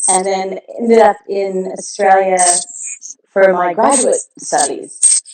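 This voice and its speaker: A middle-aged woman from the American Midwest, a guest telling her story in a warm, reflective way over a video call. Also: medium pitch, slow pace, crowd noise. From Kansas, American Midwest. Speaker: guest, balm founder. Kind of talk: casual video interview. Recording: echoey room, distant mic, background noise.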